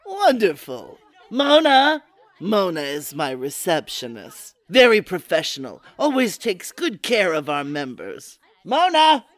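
A woman's voice: fairly low pitch, wildly swooping pitch, unhurried, dry recording. A woman playing a pushy, blunt health club owner with a salesy manner in an old-time radio comedy. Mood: brisk, salesy.

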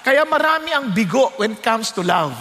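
A man preaches an animated sermon in a very high, bright voice, drawing the congregation in with a story. His voice rings out with a long reverb in a large church hall. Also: moderate pace. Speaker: pastor.

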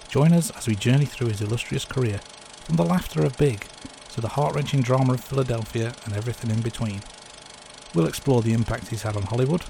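A man's voice: mid-range voice, vocal fry, dark tone, a little hiss or hum. A man presenting a podcast as co-host, moving between scripted narration and casual chat.

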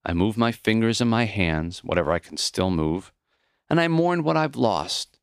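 Gentle old male teacher facing death, played by a male narrator, earnest, low-pitched, measured, dry audiobook sound. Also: expressive, vocal fry, smooth, no room sound. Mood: mournful, accepting. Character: gentle, reflective, dying elderly male teacher. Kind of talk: audiobook character voice.

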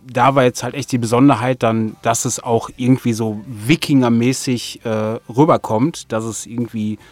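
Casual, halting man in an interview. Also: medium pitch, steady tone, no echo, soft background music. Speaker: interview guest, music producer of an audio drama.

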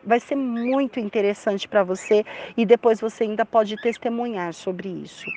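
A woman's voice: mid-range voice, moderate pace, warm tone, slight background noise. A woman teaching on prayer and the Bible, praying and reading aloud with emphatic, dramatic shifts of tone.

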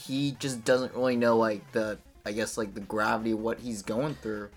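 A woman's voice: rumbling low, fairly even intonation, normal speed, soft background music. A woman co-hosting a podcast in casual chat, making wry, reflective interjections. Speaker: podcast co-host.

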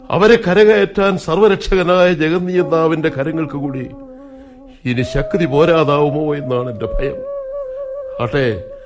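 A man's voice: a little high, natural voice. A man playing an aging, anxious king who questions his advisor with suspicion in a radio play. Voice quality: wary, probing, troubled. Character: blind old king Dhritarashtra, anxious and suspicious. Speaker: radio drama actor. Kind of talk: 1980s Malayalam radio drama acting.

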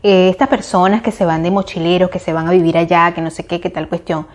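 A woman's voice: lowish voice, steady tone, quick pace. Reflective Venezuelan woman talking to camera. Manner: reflective, searching for words with frequent restarts. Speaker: vlogger. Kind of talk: casual monologue.

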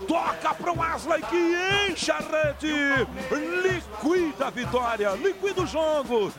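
Brazilian football announcer shouting, super high, slow drawn words, loud music behind him. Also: male voice. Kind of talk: shouted radio goal commentary.

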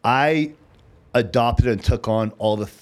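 A man's voice: mid-range voice, slow pace. A man telling personal stories bluntly and profanely on a casual podcast. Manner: blunt, profane, tells stories in bursts with restarts. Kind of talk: casual storytelling.

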